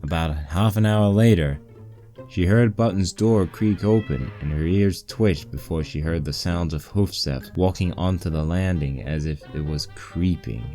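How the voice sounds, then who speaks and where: A man's voice: low-pitched, a little slow, mellow. A man reading a fan fiction story aloud as scripted narration. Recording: poor-quality mic with music bed.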